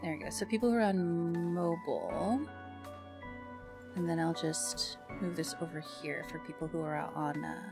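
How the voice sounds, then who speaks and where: Chatty woman streamer with slightly creaky voice. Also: lowish voice, moderate pace, music in the background. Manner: chatty, self-deprecating grumbling. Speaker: livestream host. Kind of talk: casual livestream chat.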